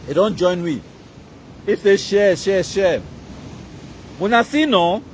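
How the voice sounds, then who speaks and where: A man's voice: high voice, lively intonation, slow pace, a little hiss or hum. A Cameroonian man with a Cameroonian accent, giving an emphatic, repetitive live-stream rant that mixes pidgin and English.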